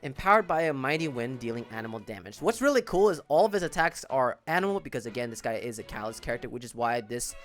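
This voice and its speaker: A man's voice: mid-range voice, very animated, quick pace, few pauses, fairly bright tone, faint music behind. Young man, sick throat, casual gaming reaction. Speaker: reaction video host.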